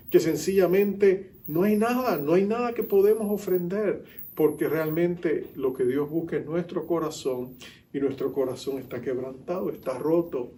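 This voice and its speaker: A man's voice: a little high, darkish tone, slight background noise. A male pastor preaching an earnest sermon in church, acting out the figures he quotes.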